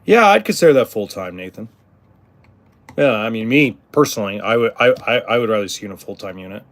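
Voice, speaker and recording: A man's voice: fairly low pitch, expressive, fast. A middle-aged man hosting a casual livestream about RVs, answering viewers in a rambling way, with frequent ums, restarts and blunt cursing. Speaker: RV livestream host.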